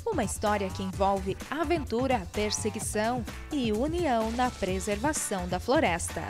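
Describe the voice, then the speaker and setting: A woman's voice: a little high, moderate pace, over music. A woman presenting TV cultural news, reading scripted event announcements. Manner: steady read announcements.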